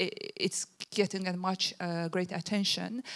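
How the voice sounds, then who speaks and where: A woman, medium in pitch, an ordinary speaking voice. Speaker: audience member. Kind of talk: audience question.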